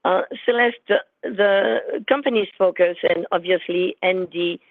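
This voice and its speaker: A woman financial analyst with a creaky voice, politely asking a prepared question on an earnings call. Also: lowish voice, unhurried, no echo. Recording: narrowband phone line.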